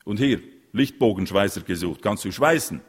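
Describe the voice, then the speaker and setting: A man's voice: on the low side, animated, moderate pace, husky. A man plays a grumpy small-town mayor in an audiobook, mocking as he rattles off questions. The voice sits above his reading voice. A long reverb hangs over the recording.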